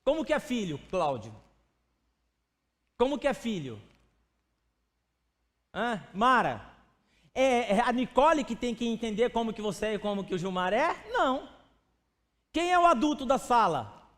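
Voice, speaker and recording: A man's voice: very high-pitched, big pitch swings, measured pace, pauses often, fairly bright tone. A male pastor preaching a sermon in a conversational way, speaking to the congregation by name and acting out little stories. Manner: acts out stories with quoted voices. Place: church sanctuary. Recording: long church hall reverb.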